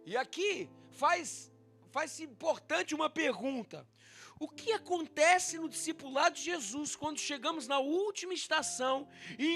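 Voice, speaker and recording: A male pastor with a Brazilian Portuguese accent preaching a dramatic sermon, acting out the scripture dialogue and speaking straight to his congregation. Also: very high voice. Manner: dramatic, acts out the scripture dialogue with loud swings.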